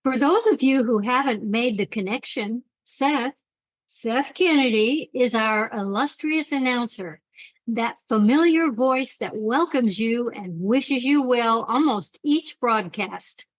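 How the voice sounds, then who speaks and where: Higher-voiced woman hosting an interview show. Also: slow, low-quality recording. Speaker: show host.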